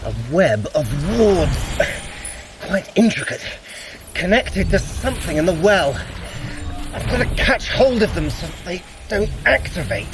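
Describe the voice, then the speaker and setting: Casting: a clever, wry trickster god, theatrical, unhurried delivery with sweeping intonation, audio drama. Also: male voice, sits high, sing-song, music in the background, poor audio. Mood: wry, focused. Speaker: actor in audio fitness adventure. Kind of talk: scripted audio drama acting.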